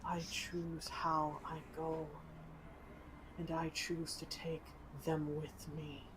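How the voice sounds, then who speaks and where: Woman voicing a dying old dragon, low and breathy. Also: little pitch movement, background noise. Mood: solemn resolve. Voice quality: breathy, rumbling. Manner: slow, solemn, halting. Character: giant old male dragon, mortally wounded, resolute.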